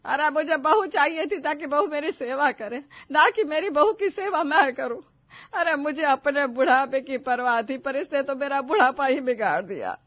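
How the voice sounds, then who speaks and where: A woman voicing a dramatic, complaining elderly mother-in-law in an animated story, wailing and melodramatic. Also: high voice, moderate pace, no room sound, lo-fi sound.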